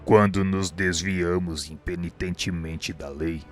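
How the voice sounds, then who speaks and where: An actor with a Brazilian accent playing a wise, calm male spirit guide who explains things in a solemn, measured, formal way in a radio drama. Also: low-pitched, over music. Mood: calm, instructive.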